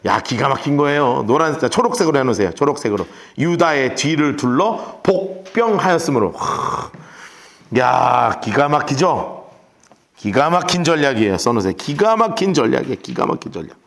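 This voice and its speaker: A man giving an animated Bible lecture and coaxing the class to take notes. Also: medium pitch, a little fast, creaky. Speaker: Bible teacher.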